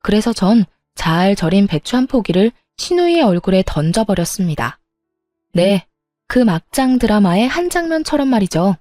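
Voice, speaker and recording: A woman narrating a dramatized first-person story as a daughter-in-law, with sharp, defiant retorts. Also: mid-range voice, big pitch swings, normal speed, no room sound, studio quality, soft background music.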